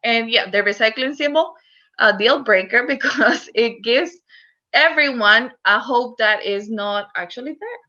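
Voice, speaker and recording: A woman's voice: on the high side, unhurried, pushed and bright, muffled recording. A woman from Costa Rica with a Costa Rican Spanish accent, giving an earnest online talk on recycling with frequent fillers. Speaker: recycling educator. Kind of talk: online presentation.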